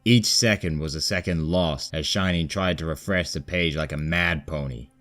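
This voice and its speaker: Male narrator for a comedic fan fiction reading, low-pitched, over a light music bed. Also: normal speed, a bit bright. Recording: background music under the voice.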